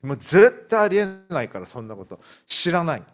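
A man's voice: fairly high pitch, sing-song, a little fast. A male pastor voicing the disciple Peter, flustered and brushing off the accusations while telling a sermon story. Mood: flustered denial. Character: Peter, a panicked man denying his teacher.

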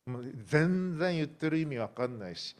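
A man's voice: on the high side, expressive, normal speed, lightly acted. A man voicing a flustered frightened disciple. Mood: flustered denial. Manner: flustered, insistent denials. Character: frightened male disciple denying his teacher.

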